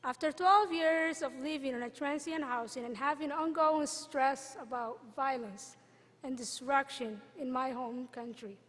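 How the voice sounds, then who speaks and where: Young woman from somalia giving a graduation speech at a podium mic, high voice, long hall echo, earnest and slow with pauses. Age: young adult. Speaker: student commencement speaker. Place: large hall. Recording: long reverb of a big hall.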